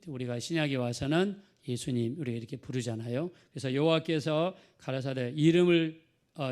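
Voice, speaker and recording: A middle-aged male pastor preaching a sermon in a conversational storytelling manner, acting out the people in his story. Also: a little high.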